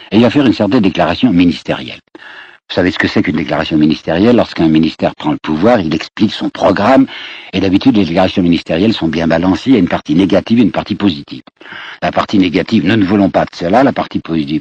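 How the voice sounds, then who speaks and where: A man's voice: low voice, a little mellow, breathy edge, dry recording. A man giving a spoken history lecture, telling the story to his listeners, addressing them directly and repeating words as he searches. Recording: dull lo-fi old radio recording.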